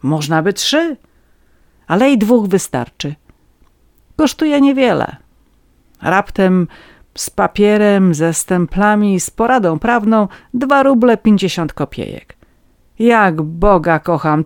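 A reader voicing a fawning, red-nosed petty scribe, a man who begs for vodka and wheedles his listeners in a high, eager voice. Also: no echo, clean studio sound. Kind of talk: audiobook reading.

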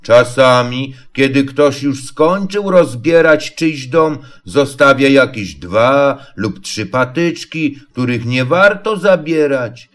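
Man reading as a glum sulky old donkey, storybook, slow mournful drawl, dragged-out words. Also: medium pitch, animated, fairly bright tone. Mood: gloomy.

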